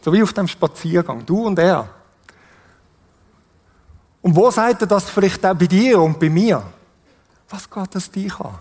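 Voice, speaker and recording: Swiss german guy preaching, pretty high voice, chatty and earnest, keeps asking the crowd stuff. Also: lively intonation, a little slow, long pauses, a little mellow. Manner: earnest, conversational, asks the listeners questions. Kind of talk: sermon.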